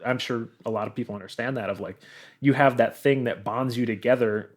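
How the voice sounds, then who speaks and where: A man's voice: mid-range voice, fairly even intonation, fairly quick. Male podcast guest, conversational, everyday mid-range voice, informal music talk. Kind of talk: casual music discussion.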